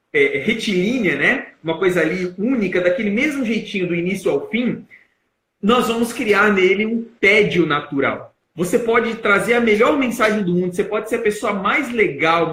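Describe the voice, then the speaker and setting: A young Brazilian man, a guest speaker on public speaking, explaining in a live-stream talk and shifting his emphasis and loudness to demonstrate. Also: sits high, reverberant, low-quality recording. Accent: Brazilian Portuguese.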